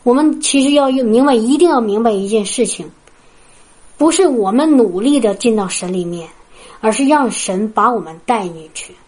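A woman's voice: a little high, animated, moderate pace, a little mellow. A woman from China preaching a sermon. She tells her own testimony in an earnest, storytelling way and speaks directly to her listeners. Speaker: preacher at a healing prayer meeting.

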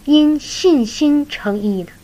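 A woman preacher shares her testimony as a sermon-style faith story, speaking earnestly and often repeating words. Her voice is high, slow and mellow, and the recording quality is low.

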